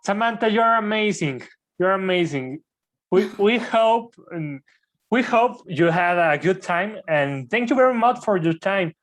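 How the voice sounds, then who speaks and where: A man with a Mexican accent, a student thanking a guest on a video call in a halting, earnest way. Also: high voice, expressive, fairly bright tone. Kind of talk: polite thanks.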